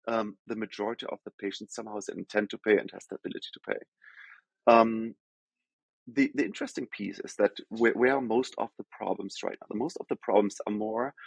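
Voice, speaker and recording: A man from Germany with a German accent, a company founder explaining things in a measured podcast interview, often pausing with "um". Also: fairly low pitch, vocal fry, breathy edge, no room sound, poor audio. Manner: measured, explanatory, frequent "um" and self-corrections.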